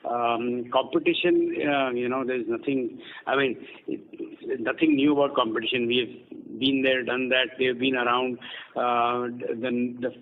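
A man's voice: medium pitch, little pitch movement, a little slow. A man, a company executive answering questions on an earnings call in a blunt, dismissive way. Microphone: conference phone call. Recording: narrow noisy phone line.

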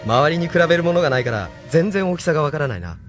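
A bewildered young leader. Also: male voice, a little high, very animated, racing. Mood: unsettled. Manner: bewildered, earnest. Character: young male leader, new to space. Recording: music bed under the voice.

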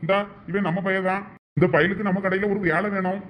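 A man with a Thoothukudi Tamil accent, talking quickly in a high voice, friendly and persuasive. A faint outdoor ambience and light hiss sit behind him. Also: fairly even intonation, fairly bright tone. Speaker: villager asking a shopkeeper for a job for a youth. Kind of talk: village comedy drama acting.

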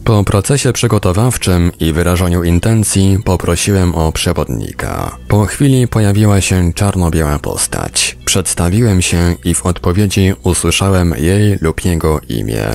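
Guy reading an audiobook, really low voice with lots of gravel in it. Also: very animated, normal speed, hardly any pauses, a little mellow. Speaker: audiobook reader. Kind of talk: scripted narration of a book.

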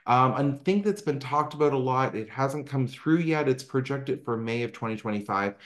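A man's voice: mid-range voice, normal speed. A middle-aged man from Canada, a travel advisor giving an upbeat, conversational slideshow talk over a video call. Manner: upbeat, conversational, frequent ums and asides. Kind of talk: informal slideshow presentation. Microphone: video call microphone.

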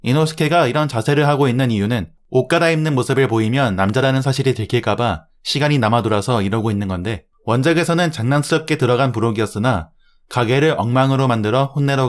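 A man narrating a scripted anime review as the reviewer. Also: medium pitch. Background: music.

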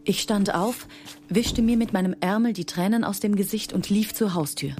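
A woman's voice: mid-range voice, normal speed, darkish tone, a little hiss or hum, lightly acted. An actress playing a grieving, exhausted mother in an audio drama, subdued and emotional. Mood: downcast, subdued. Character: grieving, exhausted mother of a missing son, Sun Jin. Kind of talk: audio drama acting with first-person narration.

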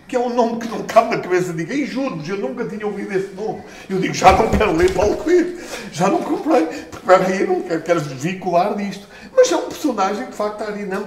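A middle-aged man with a European Portuguese accent, telling stories at a book launch, expressive and laughing often. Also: slight background noise. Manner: expressive, gestures and laughs often, jumps in pitch when excited. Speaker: book author. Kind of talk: animated storytelling at a book launch. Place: small stone-walled room, indoors. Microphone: far camera. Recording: echoey room.

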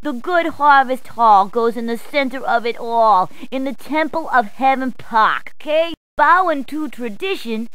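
A woman's voice: fairly high pitch, a little slow, few pauses, fairly bright tone, clear, resonant tone, no room sound, poor audio. A woman voicing a cheery adult policewoman in a game, speaking in upbeat, chatty puns. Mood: cheerful. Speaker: voice actor. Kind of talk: game voice clips.

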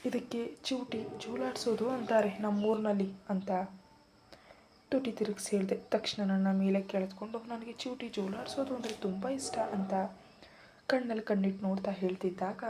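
A woman's voice: mid-range voice, steady tone, moderate pace, background noise. A woman narrating a first-person romantic story at an emotional storytelling pace.

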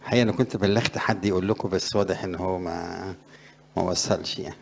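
A man's voice: low-pitched, fairly even intonation, fast talker, creaky, breathy edge. A middle-aged man, a priest with an Egyptian Arabic accent, giving a conversational sermon to young graduates and rising in emphasis on scripture verses.

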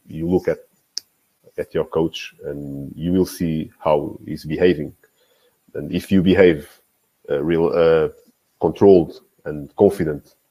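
Halting, husky, deep-voiced man on a video call. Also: warm tone, rough recording. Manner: halting, many restarts and repeated words. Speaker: guest football coach. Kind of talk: casual interview talk. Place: small indoor room. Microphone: video call, earphones with mic.

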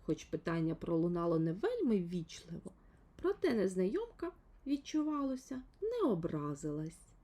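Female children's storyteller: mellow, soft-edged husky tone, lively melodic narration. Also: lowish voice, normal speed. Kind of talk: expressive scripted fairy-tale narration.

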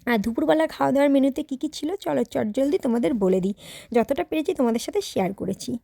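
A young woman with a high voice tells viewers about her day in a chatty vlog. The recording is dry and close, with no room sound around her. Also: lively intonation, fast, creaky, warm tone, no room sound. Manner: chatty, addresses viewers directly. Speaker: vlogger. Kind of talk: casual vlog narration.

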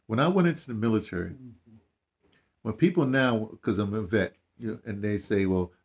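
An American audio dramatist in his sixties or older is interviewed in a small room at home, telling stories in a casual, reflective way. He rambles with emphasis, false starts and repeated phrases, his lowish voice slightly mellow and moving at a moderate pace.

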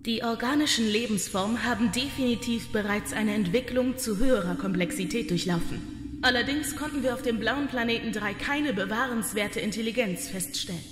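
A woman's voice: a little high, moderate pace, close to an everyday voice. A woman playing a scout unit of a machine swarm in a science fiction radio play, reporting in a formal, matter-of-fact way. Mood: formal, factual. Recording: echoey reverb over loud music.

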